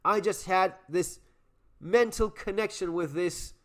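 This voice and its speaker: Higher-voiced man, animated casual commentator. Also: measured pace. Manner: animated and emphatic, casual swearing. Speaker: channel host.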